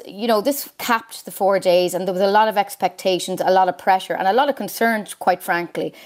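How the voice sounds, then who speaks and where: Woman, slightly low pitch, measured delivery, articulate, conversational news analysis, correspondent. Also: darkish tone. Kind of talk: conversational political analysis in a broadcast interview.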